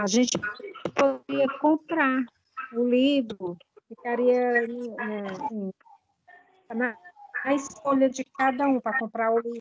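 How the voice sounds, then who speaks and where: A woman student politely asking a question in an online class, her voice cutting in and out on a glitching video call. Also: on the high side. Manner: polite, hesitant, repeating herself. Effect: choppy, glitching call audio that cuts in and out. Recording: muffled lo-fi call audio with faint noise.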